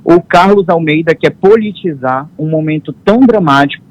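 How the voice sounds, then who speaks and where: A man's voice: fairly high pitch, normal speed, rough recording. A man commenting on politics on a news show, speaking firmly and stressing his points by repeating them. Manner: firm, emphatic and repetitive. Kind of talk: studio commentary.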